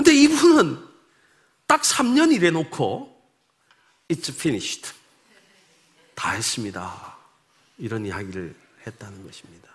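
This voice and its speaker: A man at a very slow pace, with big jumps in loudness and long, frequent pauses. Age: 60s. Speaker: missionary preacher. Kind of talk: sermon. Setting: church.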